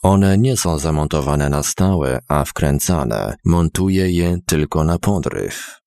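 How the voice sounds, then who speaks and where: A man's voice: rumbling low, animated, slow, darkish tone, dry recording, clean studio sound, exaggerated voice. A man voicing a frightened young man with spikes, confessing nervously in a storybook reading.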